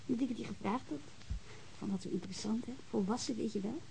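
An affectionate, independent Dutch girl of eighteen in a radio play. Her voice is soft-toned and mellow, with plenty of creak. She coaxes frankly, over a faint background noise. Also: on the high side, fast, low-quality recording. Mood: tender, teasing. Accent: Netherlands Dutch. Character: gentle, independent eighteen-year-old daughter. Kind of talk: radio drama acting.

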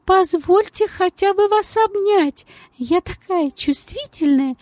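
A woman's voice: extremely high pitch, slow pace, darkish tone, no room sound, voice pushed up. A woman voicing a stout, genteel lady with a thin, piping voice and an affected, sugary manner in a storybook reading. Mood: gushing sweetly. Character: stout genteel lady, shrill, saccharine then venomous.

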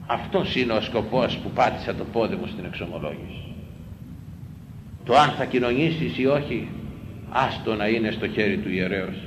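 A man, a priest, delivering a sermon in an emphatic, pleading way, repeating phrases and swinging between loud exclamations and hushed lines. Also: medium pitch. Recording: echoey room with faint ambient noise.

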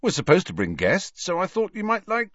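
An awkward teenage boy, as a man voices him, plain-spoken and a bit halting, his voice rising and falling a lot. The sound is dull and dry. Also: high-pitched, huge pitch swings, a bit bright, dry recording, voice pushed up, full character voice.

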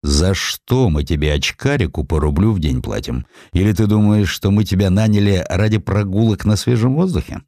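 A gloomy secret police chief acted by a male narrator in a historical audio drama. He is low, gruff and bullying, with blunt phrasing and a dark, dry sound. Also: animated, moderate pace, hardly any pauses, no room sound. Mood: scornful.

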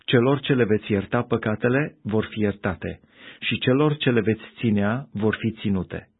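A man voicing a calm, solemn male teacher with slow, measured speech in a scripture reading. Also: lowish voice, breathy edge, no room sound. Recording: tinny phone-like audio.

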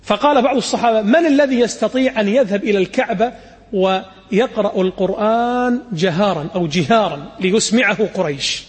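Man, religious lesson, animated storytelling, husky, echoey hall. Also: high-pitched, a little fast. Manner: animated retelling, shifting into dialect asides. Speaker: religious teacher. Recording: echoey hall with long reverb.

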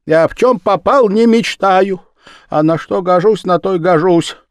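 A man's voice: high voice, a little slow, smooth, no echo, studio quality, voice pushed up. A man doing a wistful old peasant woman. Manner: pleading, wistful. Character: plaintive old woman, hopeful, dreaming.

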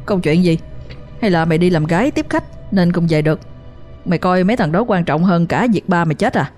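A woman voicing an angry older brother who bullies and berates his sister in a rapid, harsh torrent. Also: fairly low pitch, expressive, darkish tone, soft background music, natural voice. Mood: scolding. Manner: rapid, scolding.

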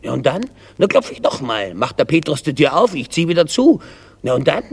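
A man's voice: fairly high pitch, very animated, fairly quick, slightly rough, big-room sound, exaggerated voice. A man doing a sly, rising schemer. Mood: scheming. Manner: building, repetitive storytelling. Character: sly old man with a trick to enter heaven.

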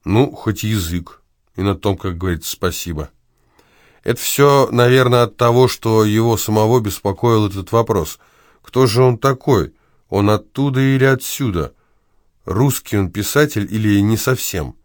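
A man's voice: on the low side, moderate pace, no room sound, studio quality. A man reading his own essay aloud in an ironic, argumentative way.

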